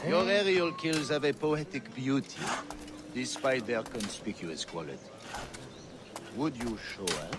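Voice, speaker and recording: An actor playing a haughty French nobleman with a French accent, lively and mocking, in a video game. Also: mid-range voice, a little slow, very noisy, natural voice. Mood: admiring.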